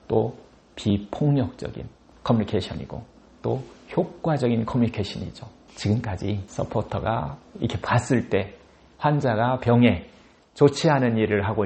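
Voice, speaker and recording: Male lecturer with a dark, gravelly voice. Teaches step by step and acts out sample lines. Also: fairly low pitch. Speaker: lecturer on healing and mind care. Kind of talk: lecture with role-played example lines.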